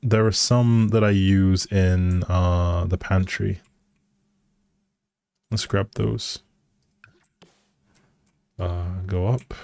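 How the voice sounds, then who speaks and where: A man's voice: deep voice, steady tone, drawn-out words, gravelly, long pauses, darkish tone, dry recording. A man giving casual live game commentary as a streamer, musing aloud in a hesitant way.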